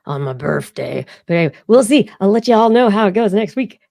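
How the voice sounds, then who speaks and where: Hoarse, gravelly woman chatting. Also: mid-range voice, very animated, brisk, no echo, clean studio sound. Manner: chatty and rambling, with soft asides. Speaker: podcast co-host. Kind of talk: casual chat.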